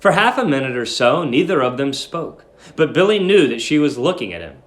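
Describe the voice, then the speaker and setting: A man's voice: on the high side, big pitch swings, a little fast, a bit bright. A man narrating in a dramatic storybook reading style. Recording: roomy echo.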